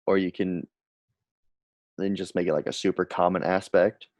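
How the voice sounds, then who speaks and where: A man's voice: deep voice, little pitch movement, normal speed, darkish tone, no room sound, clean studio sound. A man co-hosting a podcast, thinking aloud in casual chat and restarting his sentences. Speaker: podcast co-host.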